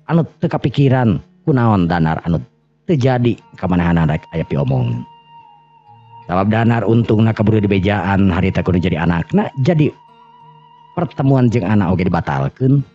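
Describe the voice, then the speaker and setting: Deep-voiced Sundanese man telling a story. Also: sing-song, warm tone. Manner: halting, repetitive, self-correcting. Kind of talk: informal oral storytelling narration. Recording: dull lo-fi audio under music. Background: background music.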